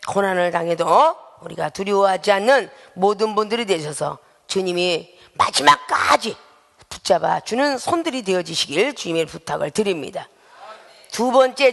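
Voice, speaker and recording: Gravelly-voiced woman pastor preaching in echoing hall. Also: mid-range voice, fairly bright tone. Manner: emphatic, calls out questions to the congregation. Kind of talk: sermon. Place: church sanctuary. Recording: long reverberant hall sound.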